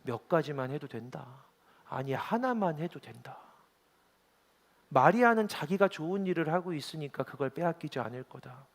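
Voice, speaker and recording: A man voicing a gentle, consoling Jesus who speaks softly and slowly. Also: on the high side, expressive. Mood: tender. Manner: soft, slow, consoling. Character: gentle, tender male Jesus addressing a follower. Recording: reverberant church hall.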